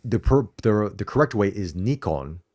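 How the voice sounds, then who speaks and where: A man's voice: lowish voice, animated, a little fast. A middle-aged American man co-hosting a casual live-stream chat, talking emphatically and often restarting his phrases. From United States. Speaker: co-host.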